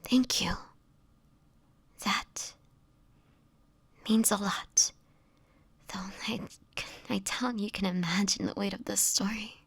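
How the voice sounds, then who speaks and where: A woman playing a sickly, homeless vampire in an intimate audio roleplay, speaking in a breathy, whispery voice with halting, hesitant delivery. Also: mid-range voice, fairly even intonation, no echo, heavily acted. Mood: hesitant, sorrowful. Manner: halting, hesitant storytelling with pauses.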